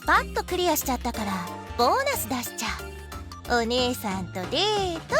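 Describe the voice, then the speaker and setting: Squeaky, rapid-fire anime game girl. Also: very animated, a bit bright. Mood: playful, teasing. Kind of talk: Japanese visual novel voice acting. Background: music.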